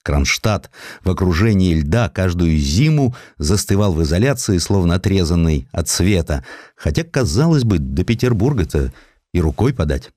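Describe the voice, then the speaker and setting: A man with a deep voice narrates a historical tale. His delivery is theatrical and highly animated, swinging widely in pitch like a storyteller acting out a literary piece. The sound is dry and close, with no room around it. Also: moderate pace, no room sound. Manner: expressive, theatrical storytelling with acted quotes. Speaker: narrator, audiobook reader.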